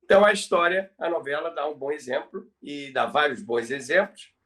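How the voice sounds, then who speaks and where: A man's voice: a little high, moderate pace, a bit bright, recorded from a distance. An older man with a Brazilian Portuguese accent co-hosting a podcast in conversational commentary, often repeating phrases for emphasis. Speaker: podcast co-host telling radio history.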